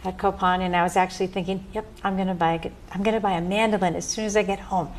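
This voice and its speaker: A woman's voice: medium pitch, level tone, rapid-fire. An American woman, a professional mandolin player, chatting as a guest and telling stories with a laugh at herself. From United States. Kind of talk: casual interview chat.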